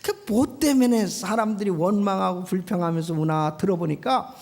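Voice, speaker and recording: A pastor from Korea preaching a sermon in an animated way, often prodding the congregation with quick questions. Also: medium pitch.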